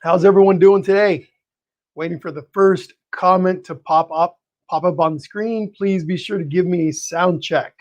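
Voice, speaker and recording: A man hosting a live painting stream, greeting viewers by name in a friendly, chatty way, his voice a little hoarse and tired, clearing his throat now and then. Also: high voice, fairly even intonation, normal speed. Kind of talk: live-stream chat and teaching.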